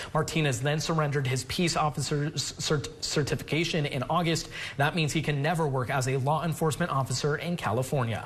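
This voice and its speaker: At a fairly quick pace, a man talks with a fairly high pitch and fairly even intonation. His loudness stays very even, and there is noticeable background noise. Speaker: local TV news anchor. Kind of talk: TV news anchor delivery.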